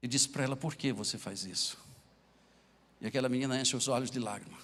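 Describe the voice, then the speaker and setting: A man with a medium pitch rattles along very fast, his intonation fairly even. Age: 60s. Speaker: pastor. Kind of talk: sermon.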